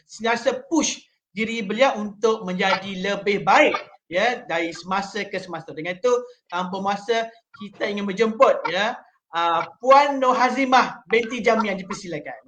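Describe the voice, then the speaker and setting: A man with a Malaysian Malay accent hosting a live online interview, talking with many pauses and fillers. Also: high-pitched, fairly bright tone, slight background noise. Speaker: live stream host.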